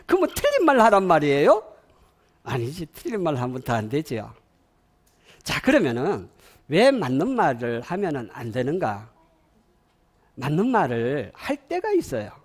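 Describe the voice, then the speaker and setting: A man with a Gyeongsang accent giving an animated lecture to parents, often asking the audience questions and having them repeat lines after him. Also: medium pitch, a little slow, pauses often, slightly rough.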